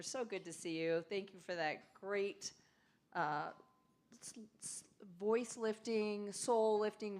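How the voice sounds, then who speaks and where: A woman hosting a spiritual center service. Her voice is slightly scratchy after an illness, and she is chatty and upbeat. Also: medium pitch. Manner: chatty and upbeat, with small laughs. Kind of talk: leading a church service, welcoming and announcing.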